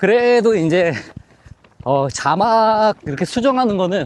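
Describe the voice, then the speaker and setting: High pitch from a male speaker, set against noticeable background noise. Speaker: hobby runner and running YouTuber. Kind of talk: casual chat.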